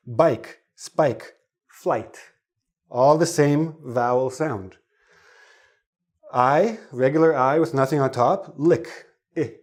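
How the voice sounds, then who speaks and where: A man at a middle pitch teaching English pronunciation. He says each example word slowly and on its own. Between drills he drops in relaxed, chatty asides. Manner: slow, deliberate word-by-word enunciation with asides. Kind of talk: whiteboard lesson to camera.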